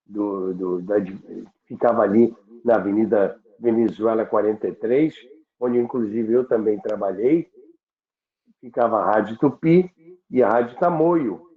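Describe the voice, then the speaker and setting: In a slow, deliberate, halting manner, an older man with a mid-range voice reminisces about radio history. A former radio worker turned history presenter, he tells his stories conversationally. The audio sounds thin and phone-like, with a roomy echo.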